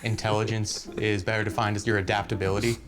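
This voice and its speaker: A man speaks quickly and explains his reasoning step by step in a panel discussion. His pitch sits in a middle range. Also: flat delivery, a crowd in the background. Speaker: panel participant. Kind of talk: unscripted group discussion.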